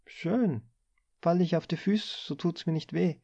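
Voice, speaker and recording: A man reading an audiobook, voicing a placid office clerk who answers in an unhurried, mildly amused, folksy way. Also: on the high side, gravelly, darkish tone, dry recording, dull audio, pitched above the performer's own voice. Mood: wry musing. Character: placid, easygoing middle-aged male office clerk.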